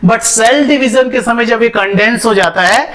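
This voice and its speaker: A man's voice: very high-pitched, normal speed, a bit bright. A young man teaching a biology lesson, asking questions and answering them himself, mixing English terms into his speech. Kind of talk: classroom lesson with whiteboard.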